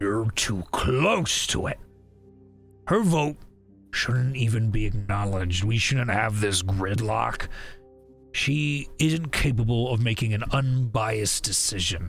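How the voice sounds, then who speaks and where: Booming in a put-on character voice, a man speaks at a medium pitch and a fairly slow pace with ordinary pitch variation, faint music playing behind him. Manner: forceful, authoritative.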